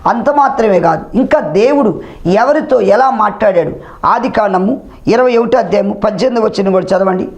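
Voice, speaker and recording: High-voiced male pastor preaching. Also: normal speed, dull audio. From India. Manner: preaching with repeated hallelujahs and amens; echoes the scripture reader's words back. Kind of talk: Telugu sermon with Bible readings.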